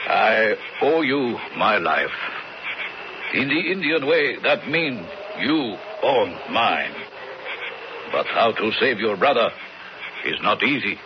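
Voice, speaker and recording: An actor playing a grave, cautious Native American man who speaks formal, halting broken English in a radio drama. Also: fairly low pitch, very animated. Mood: solemn. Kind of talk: 1970s radio drama acting. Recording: muffled, noisy 1970s radio recording.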